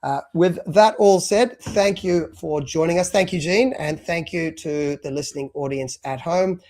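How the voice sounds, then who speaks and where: Casting: rambling male podcast co-host, slightly high voice, loose and chatty. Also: a little slow, darkish tone. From abroad, moved to Australia at three. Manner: chatty, rambling with many fillers. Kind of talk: casual live stream chat.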